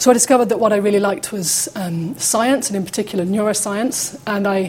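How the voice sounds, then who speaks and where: Delivered at a very fast pace, the speech comes in a Birmingham accent with noticeable background noise behind it. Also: woman. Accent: Birmingham (Brummie) English. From Birmingham, England. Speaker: neuroscientist. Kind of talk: talk to an audience.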